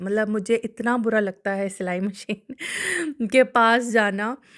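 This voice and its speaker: In a very clean recording with a silent background, a woman with a medium pitch and ordinary pitch variation speaks in a plain, everyday voice. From Pakistan. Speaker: vlogger, homemaker. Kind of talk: casual home vlog talk to camera.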